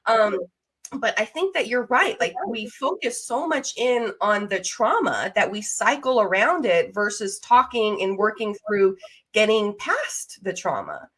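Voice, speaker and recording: A woman's voice: mid-range voice, animated, unhurried, a bit bright, slight background noise, low-quality recording. Woman in her 30s, podcast host type, chatty and informal, just talking with a guest. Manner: chatty and informal, with mild swearing. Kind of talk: casual conversational interview.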